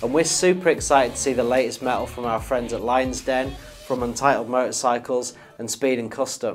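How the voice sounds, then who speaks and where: A man talks at a fairly quick pace with fairly even intonation. Faint music plays in the background. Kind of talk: promotional piece to camera. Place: studio.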